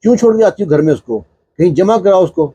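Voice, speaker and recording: A man's voice: sits high, expressive, dark tone, slightly rough, lo-fi sound, voice pushed up. A man voicing an angry, scolding mother. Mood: indignant. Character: angry protective mother of the bride.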